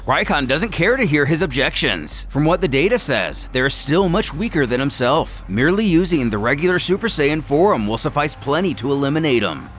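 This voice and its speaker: Dramatic male narrator with very animated pitch. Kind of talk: dramatic scripted story narration.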